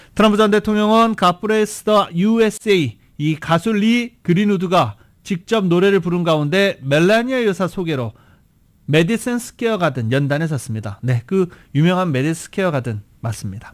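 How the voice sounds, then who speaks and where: Against a quiet background, a man talks at a moderate pace. His high voice swings very widely in pitch. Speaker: radio news anchor. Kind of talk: news reading. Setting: studio. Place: studio. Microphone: studio mic.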